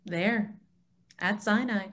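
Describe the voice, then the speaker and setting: A woman playing a wise, assured Jewish mentor in an amateur reader's theatre, speaking in a deliberate, emphatic, teacherly way. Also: mid-range voice, fairly bright tone. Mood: knowing, teasing. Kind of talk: amateur reader's theatre dialogue over video call. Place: remote video call.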